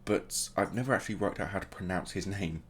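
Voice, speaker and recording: Hosting a gaming video, a man casually commentates the play as it happens and tosses in joking asides. His voice is low and fairly bright, and he talks quickly. There's a little hiss or hum.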